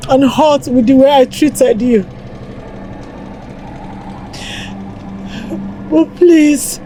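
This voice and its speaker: A woman plays a grieving wife, sobbing as she pleads with her husband's body. Her voice sits high yet sounds mellow and dark, and her words come out slow and heavy. Faint music plays under her. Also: slight background noise. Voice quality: tearful, pleading. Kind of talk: film acting.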